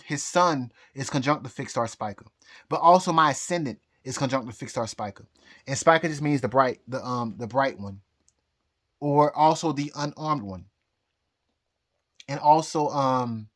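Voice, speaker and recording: A man's voice: medium pitch, normal speed, fairly bright tone. A tipsy man delivers a loose, personal rant. He halts, doubles back and repeats his phrases as he goes. His delivery is emphatic and defiant, with an unscripted, rambling flow. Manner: emphatic, defiant talk of fate and God. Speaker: astrologer.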